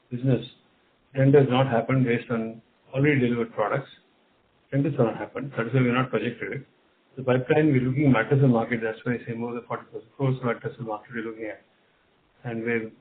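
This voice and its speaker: A man with an Indian accent, a company executive giving unscripted answers on an investor call, often repeating and rephrasing his phrases. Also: mid-range voice. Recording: narrow phone line, clear background noise.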